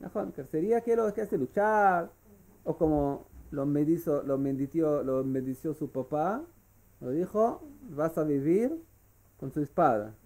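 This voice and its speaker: Gravelly-voiced man teaching Torah. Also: on the high side, expressive, unhurried, darkish tone. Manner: searches for words, stumbling restarts. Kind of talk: Torah class.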